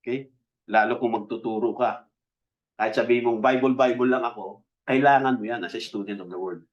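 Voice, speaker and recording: A Filipino-accented man preaching a teaching sermon, chatty and checking in with the congregation, slowing down to stress key words. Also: medium pitch, fairly even intonation, lo-fi sound. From Philippines. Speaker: pastor.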